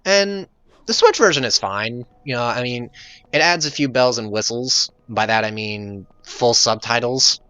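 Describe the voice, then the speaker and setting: A man's voice: mid-range voice, a little slow, sharp tone, smooth, dry recording, low-quality recording. A man giving casual, jokey gameplay commentary as the host of a let's play.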